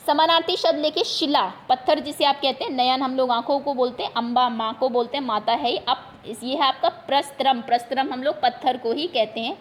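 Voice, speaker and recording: A woman teacher going through exam questions one at a time, patiently repeating each term in plain Hindi. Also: high voice. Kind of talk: explaining exam answers.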